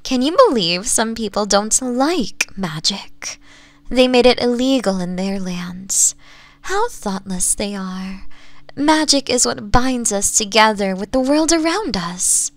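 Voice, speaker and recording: Actress as possessive fox woman for ASMR roleplay: slow, coaxing, teasing, whispery at times, very dry close sound. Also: fairly high pitch, animated, no echo. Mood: proud, musing. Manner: soft, coaxing, slips into breathy whispers. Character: possessive, flirtatious nine-tailed fox woman, sweetly teasing.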